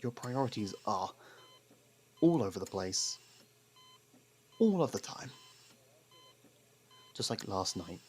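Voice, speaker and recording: A man acting a sarcastic, scolding criminal partner who hides his worry, in an ASMR roleplay with halting pauses. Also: on the low side, sing-song, breathy edge, exaggerated voice. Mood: angry, frustrated. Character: gruff, sarcastic criminal partner, secretly worried.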